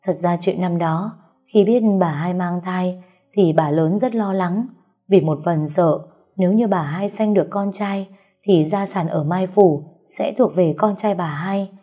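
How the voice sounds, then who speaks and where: A woman's voice: fairly low pitch, a little slow, mellow, faint music behind. A woman voicing a frightened female household servant who stammers as she confesses. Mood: fearful. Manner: trembling, stammering.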